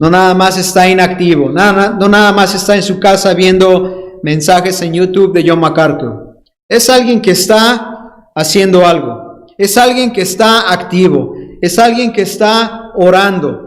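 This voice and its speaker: In a room with audible echo, a man speaks at a fairly slow pace in a high voice with ordinary pitch variation. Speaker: preacher. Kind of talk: sermon.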